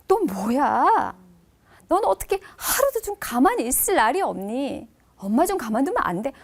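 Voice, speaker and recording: Woman doing a fed-up, exhausted mom who scolds her kid sharply, high and lively. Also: rapid-fire. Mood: irritated. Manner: snappish, scolding. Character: tired irritated mother scolding her child.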